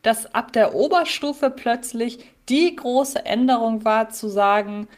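A woman's voice: fairly high pitch, slow. A woman co-hosting a podcast in casual chat, thinking aloud with lots of fillers and restarts. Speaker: podcast co-host.

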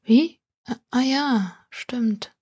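A woman voicing a lonely old woman who mutters and scolds herself in an audiobook story, in a slightly lower, creaky voice. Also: moderate pace, no echo, clean studio sound. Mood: muttering. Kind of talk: audiobook reading.

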